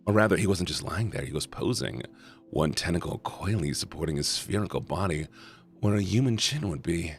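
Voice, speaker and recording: Man streamer narrating to chat: deep, gravelly, lively, playful. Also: a little fast. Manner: animated, playful, shouting at times. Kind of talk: reading a visual novel aloud to chat.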